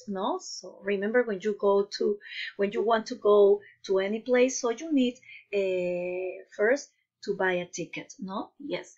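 In a muffled recording, a woman with a mid-range voice teaches young children like a kids' show host. This primary school English teacher gives an online lesson, speaking to viewers directly and encouraging pupils with questions. She often adds checking tags such as "no?" and "okay?".

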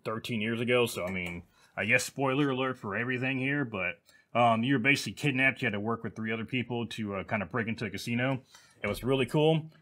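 A man's voice: fairly low pitch, a bit bright. A man hosting his gaming channel, chatting casually with many fillers and restarts. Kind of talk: casual video commentary.

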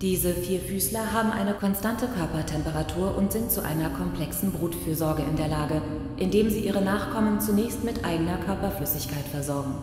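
A woman playing a calm, principled machine archivist in a science fiction audio drama, speaking with precise, formal, analytical diction. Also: fairly low pitch, moderate pace, close to an everyday voice. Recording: cavernous echo and reverb, music behind.

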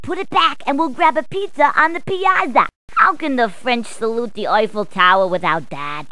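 A woman's voice: a little high, normal speed, sharp tone, no room sound. A woman voicing a cheery adult policewoman in a game, speaking in upbeat, chatty puns. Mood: cheerful. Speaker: voice actor. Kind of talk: game voice clips.

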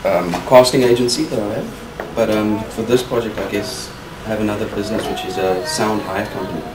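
A man's voice: fairly low pitch, fairly quick, distant mic, heavy background noise. A man in an interview, describing his work and family history in a hesitant way with many fillers. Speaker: interviewee, sound hire business owner. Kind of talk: casual interview talk. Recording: echoey room, off-mic, music over. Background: loud music.

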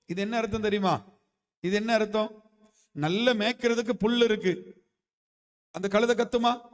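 High-voiced fervent male preacher. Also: unhurried. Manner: impassioned preaching, calls for hallelujah responses. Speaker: pastor. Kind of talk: fervent Tamil sermon. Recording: long hall reverb.

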